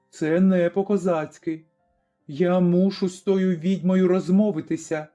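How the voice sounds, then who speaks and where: A grim old Cossack father speaks in slow, firm, commanding words, as a male narrator acts him out. The tone is dark and mellow, pitched fairly high for a man. Faint music sits behind the reading. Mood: urgent.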